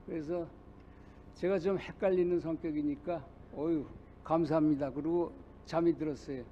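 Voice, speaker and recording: An older male pastor preaching a sermon, telling a personal story in a halting way with many pauses. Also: fairly high pitch, mellow, muffled recording, slight background noise. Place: church sanctuary.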